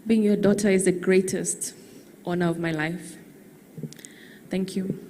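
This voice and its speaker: A woman reading a measured, earnest eulogy for her late father. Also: on the low side, fairly even intonation, warm tone, long reverb tail, a little hiss or hum. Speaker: daughter giving a eulogy. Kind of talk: read eulogy.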